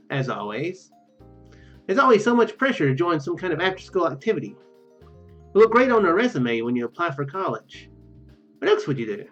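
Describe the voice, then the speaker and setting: A man with a slightly high, very lively voice gives casual let's play commentary. He reads game text aloud in a halting, rambling way, doubling back to correct himself. The sound is muffled, with game music playing behind him. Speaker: let's play video host.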